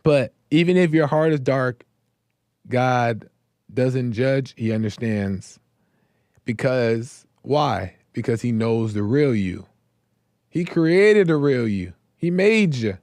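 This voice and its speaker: Slow, fading-voiced man musing on faith. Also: mid-range voice, lively intonation, a little mellow, dry recording. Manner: slow, reflective, with many fillers and repeated phrases. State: voice going hoarse. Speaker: host of a live call-in faith show. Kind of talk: casual devotional talk.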